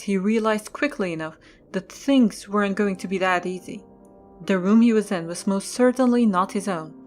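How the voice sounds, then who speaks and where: Female narrator for audio drama, scripted read, mid pitch, light music bed.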